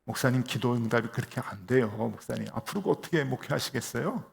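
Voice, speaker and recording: A man voicing a blunt, teasing middle-aged male church deacon in a sermon story, with a gravelly voice. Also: medium pitch, animated, fast.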